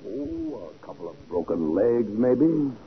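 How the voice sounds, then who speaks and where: Deep-voiced, menacingly polite gambling boss. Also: male voice, big pitch swings, slow pace, heavily acted. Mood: mocking, threatening. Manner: mock-polite, threatening, slangy. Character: menacing, smoothly polite male gambling-house racketeer. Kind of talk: 1940s radio acting. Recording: muffled, hissy 1940s radio recording.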